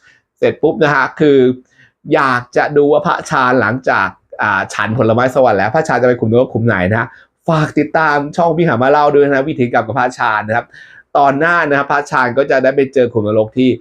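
A man's voice: medium pitch, fairly quick, a bit bright. A man hosting a channel and telling a story casually, chatty, with fillers and repeated words.

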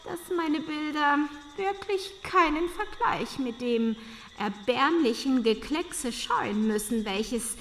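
A woman's voice: high-pitched, lively intonation, takes it slowly, fairly bright tone, full character voice. A woman playing a vain, gushing countess in an audio drama, affected, effusive and disdainful. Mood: haughty disdain. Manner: affected, effusive, with tinkling social laughs. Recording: long reverb, faint noisy ambience.

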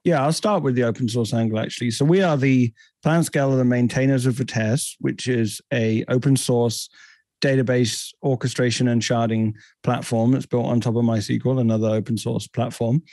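A man's voice: medium pitch, steady tone, moderate pace, mellow, dry recording. A man in his thirties with a British accent, a guest explaining technology fluently in a podcast interview over a headset from a home office. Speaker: guest, tech company CEO.

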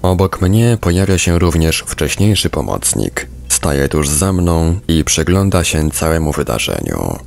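Very deep-voiced man narrating an audiobook. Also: big pitch swings, unhurried, creaky, hardly any pauses. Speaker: narrator reading book excerpts.

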